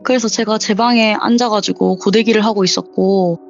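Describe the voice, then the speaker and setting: A young woman in a casual interview, chattily telling a true horror story and acting out the quoted lines with sudden rises in pitch. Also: steady tone, normal speed, creaky. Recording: dull lo-fi sound with faint background music.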